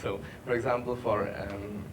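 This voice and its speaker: A man giving a technical workshop presentation, halting with many fillers. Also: on the low side, little pitch movement. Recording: distant mic, background noise.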